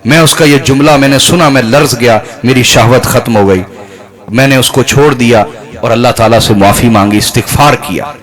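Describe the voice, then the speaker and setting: A man's voice: mid-range voice, a bit bright. A man giving a sermon, telling stories, acting out quoted voices and asking the audience questions. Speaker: preacher. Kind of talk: Urdu sermon with storytelling.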